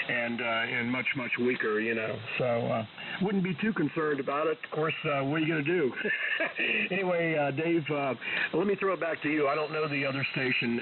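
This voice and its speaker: A man from the United States chatting casually and easily as an amateur radio operator over shortwave. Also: medium pitch. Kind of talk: casual on-air radio chat. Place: amateur radio transmission on 40 meters. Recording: distant tinny shortwave radio, noisy static.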